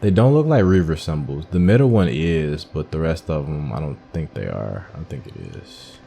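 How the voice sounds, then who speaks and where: A man's voice: rumbling low, very animated, normal speed, creaky, mellow, slight background noise. A man giving casual, informal playthrough commentary as a gaming video host, thinking aloud as he goes.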